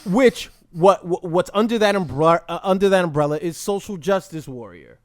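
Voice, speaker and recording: A man hosting a podcast, arguing his point in casual, animated debate with a co-host and cutting in often. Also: high-pitched, normal speed, dry recording, studio quality. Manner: animated, argumentative, interrupts.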